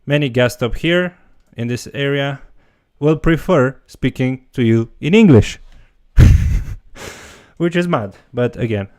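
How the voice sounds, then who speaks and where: This male language teacher, fielding viewer questions in a casual livestream, speaks slowly and animatedly in a mid-range, slightly mellow voice, thinking aloud in a loose manner. The audio is studio quality with no room sound.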